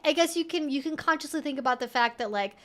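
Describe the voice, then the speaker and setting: High-pitched woman chatting on a livestream. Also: lively intonation, fast talker, fairly bright tone. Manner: conversational, emphatic, thinking aloud. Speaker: livestream host. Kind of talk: casual Q&A livestream chat, reading viewer comments.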